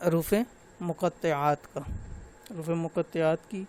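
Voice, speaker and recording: A man's voice: on the high side, fairly even intonation, darkish tone. A man teaching a tajweed lesson to women, explaining patiently step by step and drawing out the letters as he recites them.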